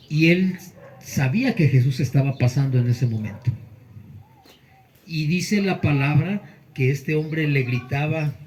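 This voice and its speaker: Man preaching a sermon, earnest, emphatic pauses, fairly high pitch. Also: darkish tone, rough recording. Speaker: pastor.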